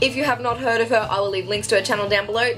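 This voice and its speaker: A woman speaks with an Australian accent while music plays in the background. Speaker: booktuber. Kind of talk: casual vlog talk. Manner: animated.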